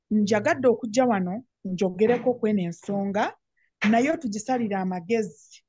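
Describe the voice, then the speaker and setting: A woman's voice: medium pitch, a little mellow, no room sound. A woman from Uganda with a Ugandan accent, giving an impromptu political address to an online group meeting. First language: Luganda. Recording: dull, dry online call.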